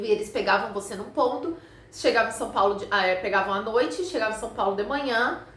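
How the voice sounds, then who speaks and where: Talking at a fairly quick pace with a fairly high pitch, a woman is heard in a room with audible echo and noticeable background noise. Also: ordinary pitch variation. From southern Brazil, Itajaí, Santa Catarina. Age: 40s. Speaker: YouTuber. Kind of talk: personal storytelling vlog. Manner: casual, conversational.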